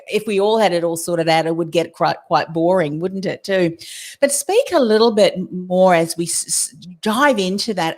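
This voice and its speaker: A woman hosting a podcast interview, asking long, encouraging questions. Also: fairly low pitch. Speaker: podcast host. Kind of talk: interview chat.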